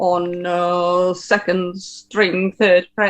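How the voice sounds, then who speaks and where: A woman's medium-pitched voice with a Czech accent. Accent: foreign accent (Czech). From Czech Republic. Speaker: guitar teacher. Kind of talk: interview conversation. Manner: hesitant, many fillers.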